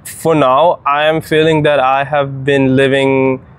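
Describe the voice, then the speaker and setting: Young male student guest, relaxed and rambling, mid pitch. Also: a little slow, clean tone. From Dubai. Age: young adult. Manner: relaxed, hesitant, lots of fillers. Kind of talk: casual interview chat.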